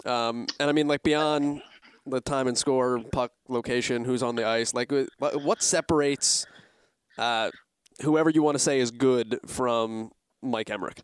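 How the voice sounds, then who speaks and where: A man's voice: medium pitch, fairly even intonation, unhurried, clean tone, dry recording. A man working as an interviewer, casually asking questions and rewording them as he thinks aloud.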